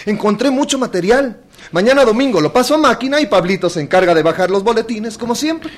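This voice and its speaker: A man's voice: high voice, expressive, fast, a little hiss or hum, pitched above the performer's own voice. A man voicing an eager, helpful young male news assistant in a read-aloud novel.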